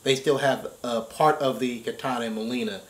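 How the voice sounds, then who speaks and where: A man's voice: mid-range voice, fairly even intonation, a little fast. Man explaining things in casual discussion. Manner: explanatory, often checks with "right?". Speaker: reaction show commentator. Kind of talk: casual discussion of game story.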